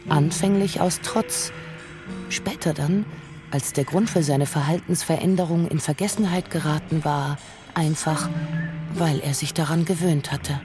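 A narrator reading a radio play story in a calm, measured way. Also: mid-range voice, music in the background.

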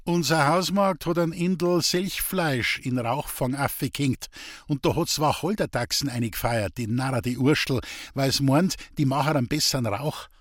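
A man's voice: mid-range voice, moderate pace, no echo, studio quality, lightly acted. A man voicing a sturdy young forest worker who talks brusquely and firmly. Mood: awkward. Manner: brusque, firm, awkwardly cheerful.

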